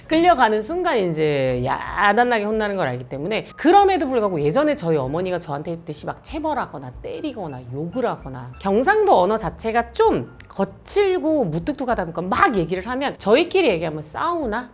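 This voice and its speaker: Gyeongsang-accented woman host, lively pitch, casual advice talk, acts out dialogue. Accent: Gyeongsang Korean. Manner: animated, acts out quoted dialogue. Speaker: host giving dating advice.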